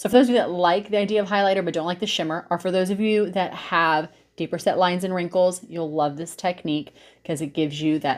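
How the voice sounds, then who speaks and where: In an ordinary speaking voice, a woman with a fairly low pitch talks at a fairly quick pace, in a very clean recording with a silent background. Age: 40s. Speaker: makeup artist. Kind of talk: tutorial.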